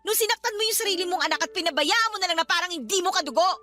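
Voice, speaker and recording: A bitter younger sister. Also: female voice, very high voice, racing, bright, forceful tone, faint music behind. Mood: firm. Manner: bitter, cutting. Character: hurt younger sister standing up to her elder. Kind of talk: Tagalog radio drama acting.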